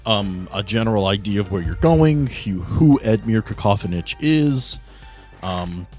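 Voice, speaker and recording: A man's voice: lowish voice, lively intonation, measured pace, a little mellow, faint music behind. A man acting as game master of a tabletop game, explaining things in a casual, conversational way.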